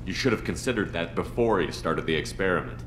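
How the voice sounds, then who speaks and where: An actor playing a tough space soldier commander in a video game, blunt and terse. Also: male voice, low voice, expressive, brisk, a bit bright, a little hiss or hum. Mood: stern, questioning. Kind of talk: scripted video game dialogue.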